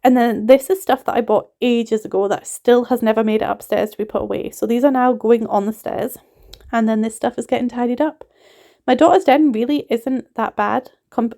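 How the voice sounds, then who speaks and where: Narrating her cleaning vlog, a thirtysomething woman with a blended northeast English and Scottish accent talks in a fairly high, mellow voice. The voiceover is casual and rambling, with frequent laughter.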